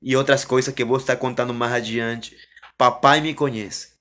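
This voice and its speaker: A man giving an emotional religious testimony as a preacher, fervent and repetitive, often rising and then falling soft. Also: mid-range voice, fairly even intonation, normal speed.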